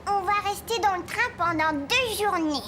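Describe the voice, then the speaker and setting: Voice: very high-pitched, expressive, moderate pace, noisy background. An actor voicing a curious, slightly timid four-year-old boy with a childlike voice in a children's cartoon. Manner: simple, innocent questioning. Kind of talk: animated children's cartoon acting.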